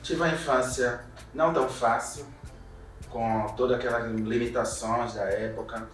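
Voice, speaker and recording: A man's voice: medium pitch, steady tone, moderate pace. A man with a Bahian Brazilian accent, introducing himself and his life for a documentary. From Salvador, Bahia, Brazil. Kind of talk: autobiographical documentary testimony. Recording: very echoey, distant mic, music behind.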